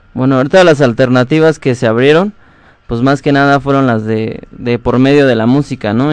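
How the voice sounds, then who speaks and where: A man talks at a moderate pace in a medium pitch. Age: 20s. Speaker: poet. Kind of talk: interview. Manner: halting. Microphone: too quiet.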